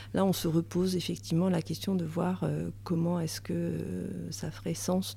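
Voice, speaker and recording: Very deep and low for a woman, her somewhat breathy voice has a dark, mellow tone, very wide pitch swings and a fairly slow pace. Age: 40s. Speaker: tourism board director. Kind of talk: interview.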